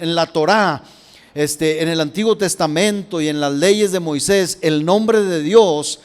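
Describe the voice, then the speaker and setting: Male pastor, high voice, unhurried sermon delivery, big reverberant church sound. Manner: addresses listeners as brother, rising and falling emphasis. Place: church hall.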